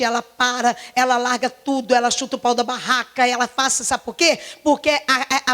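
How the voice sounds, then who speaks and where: A woman pastor in her forties with a Brazilian Portuguese accent, preaching a fervent sermon in a church, her voice slightly hoarse, repeating herself and firing rhetorical questions. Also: high-pitched, fairly bright tone. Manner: impassioned, repetitive, many rhetorical questions. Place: church service.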